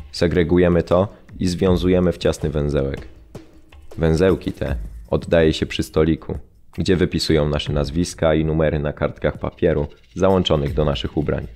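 Very deep, sombre actor as a male prisoner narrator. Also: mellow. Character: male Polish concentration camp prisoner recounting camp life, sombre. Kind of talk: dramatic reading of a prisoner's memoir in an audio drama. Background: music.

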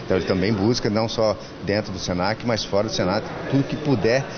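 Brazilian man, 50s, earnest advice-giver, low voice, lo-fi handheld mic with clear hall noise behind. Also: quick pace, a crowd in the background. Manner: earnest, advice-giving, many restarts. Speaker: school staff member interviewed. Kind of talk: on-camera event interview. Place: indoor school fair hall. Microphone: handheld mic held by interviewer.

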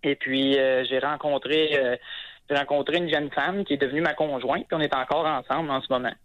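A young man with a Quebec French accent calls in, speaking at a middle pitch, haltingly and full of fillers as he restarts his sentences. His voice comes through a dull, muffled phone line. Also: fairly even intonation, fairly bright tone. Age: 20s. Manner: hesitant, many fillers and restarts. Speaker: caller. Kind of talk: phone-in call on a talk show.

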